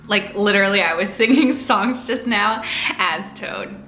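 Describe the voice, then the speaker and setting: Bright-voiced young woman vlogger in a roomy space. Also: medium pitch, measured pace. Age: 20s. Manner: bubbly, playful, hyperbolic. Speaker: sewing vlogger. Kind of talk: casual chatty vlog. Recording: roomy echo, music behind. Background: music.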